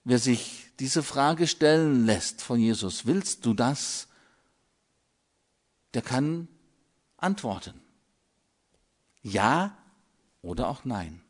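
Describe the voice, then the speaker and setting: An older man preaching a sermon in a measured way, with long dramatic pauses. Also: mid-range voice, very animated.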